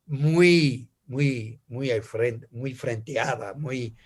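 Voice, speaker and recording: An older man, a native French speaker with a French accent, reflects on personal stories in conversation, repeating words as he searches for them. His voice is medium-pitched, and he speaks extremely slowly.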